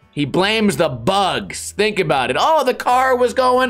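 Faint music plays in the background. Over it, a man speaks at a fairly slow pace. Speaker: video reviewer. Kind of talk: commentary. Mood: sarcastic, mildly impatient.

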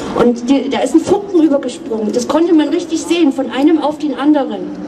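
A woman with a high voice speaks at a fairly quick pace with ordinary pitch variation while crowd noise carries in the background. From former East Germany. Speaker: activist speaker at a vigil; speaker. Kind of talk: public speech. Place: street. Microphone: handheld.

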